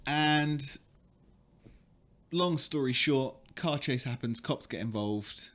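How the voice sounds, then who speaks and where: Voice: mid-range voice, slow, fairly bright tone. Podcast co-host from the UK, dry wit and easy agreement, mid-range voice. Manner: dry, agreeable replies, laughs often. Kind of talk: casual chat recapping a tabletop game.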